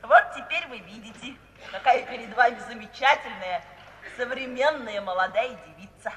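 A woman's voice: a little high, normal speed, fairly bright tone, lightly acted. Woman acting a no-nonsense young graduate, decisive, self-assured, radio play delivery, distant reverberant old recording, faint hiss. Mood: animated, amused. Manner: matter-of-fact, decisive, bluntly insistent.

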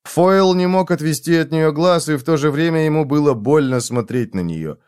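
A man narrating an audiobook in a measured, expressive way. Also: on the high side, smooth.

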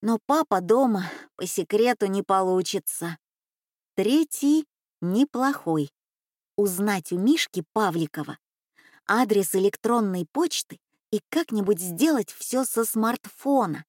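A woman narrating a children's story, reading in an unhurried, expressive way. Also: mid-range voice, no room sound, studio quality.

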